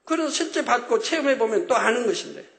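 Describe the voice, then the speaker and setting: A male pastor preaching a sermon with emphatic, repeating phrases that rise to loud exclamations. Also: very high voice, very animated, fast talker, gravelly. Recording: echoey hall with long reverb.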